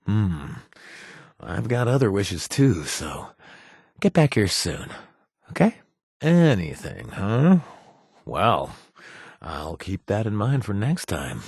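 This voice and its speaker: A man's voice: fairly low pitch, sing-song, slow pace, gravelly, long pauses, darkish tone, breathy edge, dry recording, full character voice. An actor playing a playful, flirtatious male companion in a video game, recorded dry in a studio. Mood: flirty.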